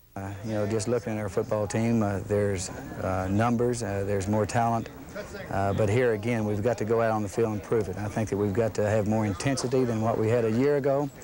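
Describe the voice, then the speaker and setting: Monotone, flat intonation moves at a fairly quick pace over noticeable background noise. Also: man. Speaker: sports reporter. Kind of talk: 1983 sports broadcast narration.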